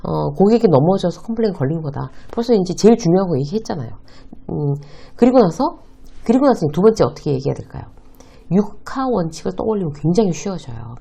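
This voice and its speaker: A woman teaches in a lively, up-and-down voice with a gravelly edge. Her tone is warm and mellow. She poses questions and answers them herself, as if in conversation. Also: fairly low pitch, fast. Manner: acts out short quoted exchanges. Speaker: workplace advice host. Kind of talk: talk-style lesson to viewers.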